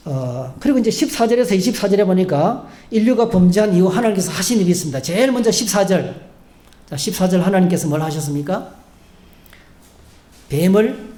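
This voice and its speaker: A man's voice: high voice, mellow. A male pastor preaching a sermon, acting out short prayers and leading the congregation in call-and-response. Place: church sanctuary. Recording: echoey church hall.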